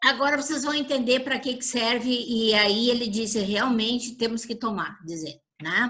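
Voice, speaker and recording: A woman speaks at a high pitch in a bright, sharp tone, with ordinary pitch variation. She goes at a fairly slow pace, with long, frequent pauses. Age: 60s. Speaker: supplement sales trainer. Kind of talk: training talk.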